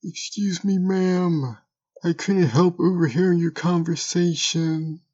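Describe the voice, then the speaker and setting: Small sly creature, played by a man, audio drama, highish pitch, unhurried, mock-polite, folksy, dull lo-fi sound. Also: steady tone, a little mellow. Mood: sly, smug. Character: small ugly bridge creature, sly, smug, polite haggler.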